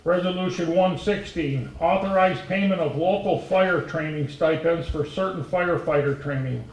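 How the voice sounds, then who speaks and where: Man chairing a town board meeting. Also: on the high side. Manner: brisk, procedural. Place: town hall meeting room. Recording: echoey room, far from mic, faint noise.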